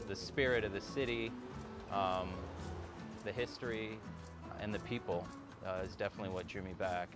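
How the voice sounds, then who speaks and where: A middle-aged man from Iraq, a small business owner, speaking reflectively in a documentary interview with many pauses and fillers. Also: fairly low pitch. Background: background music.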